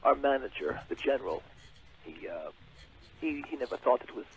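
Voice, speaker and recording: A man's voice: mid-range voice, lively intonation, breathy edge. A man playing a pompous rock frontman on a phone line. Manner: pompous and self-important, halting with fillers. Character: boastful adult male rock frontman. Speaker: caller. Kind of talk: comedic call-in character. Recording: tinny phone line with hiss.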